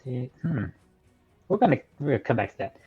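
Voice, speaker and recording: A man chats as a player in a tabletop game. His mid-range voice moves up and down in an animated way. He thinks aloud with hesitations and jokes, over faint music. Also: mid-range voice, a little fast, slightly rough, highs cut off. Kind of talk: casual game chat.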